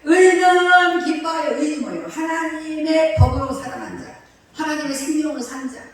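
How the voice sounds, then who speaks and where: A woman's voice: high voice, a little fast, darkish tone, recorded from a distance. A woman pastor preaching a sermon in a colloquial, emphatic way, often throwing rhetorical questions at her listeners. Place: church sanctuary. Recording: very echoey church hall, heard from afar with faint noise.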